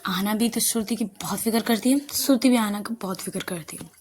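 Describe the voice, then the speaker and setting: A woman storyteller narrates in a relaxed, chatty manner, catching and fixing names as she goes. Her voice sits at an ordinary middle pitch. Faint noise runs in the background. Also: brisk. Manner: conversational, loose, self-correcting. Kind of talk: casual audio story narration.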